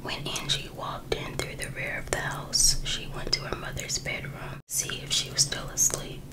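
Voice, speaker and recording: A woman reading a book aloud for ASMR in a breathy, unvoiced whisper, pausing between short phrases. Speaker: ASMR creator.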